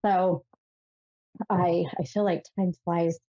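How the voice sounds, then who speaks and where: A woman's voice: on the low side, flat delivery, takes it slowly, mellow, highs cut off. A woman hosting a psychic call-in radio show, sounding nasal from a head cold and rambling chattily with many fillers and restarts. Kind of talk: casual call-in radio monologue.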